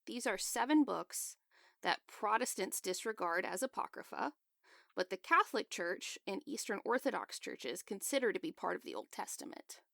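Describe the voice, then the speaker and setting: A woman's voice: medium pitch, animated, normal speed, creaky, fairly bright tone, no echo, clean studio sound. A woman co-hosting a podcast, explaining a topic in a chatty, casual way. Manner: explanatory, chatty, laughs often. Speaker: podcast co-host. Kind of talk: casual chat.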